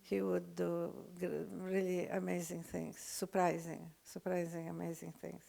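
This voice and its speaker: Older woman, Polish accent, gravelly voice, slow hesitant lecture talk, lowish pitch. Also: little pitch movement, mellow. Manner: hesitant, many fillers and restarts.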